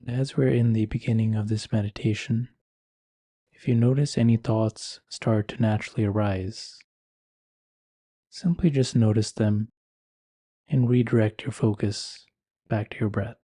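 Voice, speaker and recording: A man leading a guided meditation in a calm, soothing, unhurried manner, leaving long pauses between phrases. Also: lowish voice, husky, dry recording. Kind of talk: guided meditation, slow scripted instruction.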